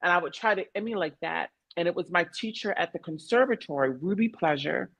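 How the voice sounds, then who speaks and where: Low-voiced woman, reflective and animated. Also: fairly quick. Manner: animated, reflective storytelling with frequent laughter. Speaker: guest, opera singer. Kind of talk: conversational interview.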